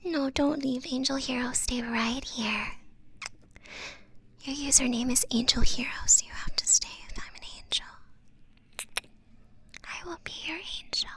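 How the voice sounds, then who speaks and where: A woman's voice: high-pitched, steady tone, normal speed, fairly bright tone, slight background noise. A woman streamer whispering playfully and teasingly to her chat, close to the microphone. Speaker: VTuber streamer. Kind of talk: whispered ASMR-style live stream chat.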